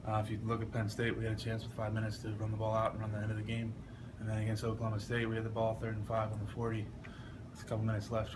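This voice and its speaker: Young football guy talking to reporters, quick and even toned, earnest, noisy room tone behind him. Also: fairly low pitch. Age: young adult. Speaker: football offensive lineman being interviewed. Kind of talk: press scrum interview answers. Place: media scrum with ambient noise. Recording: clearly noisy ambient background.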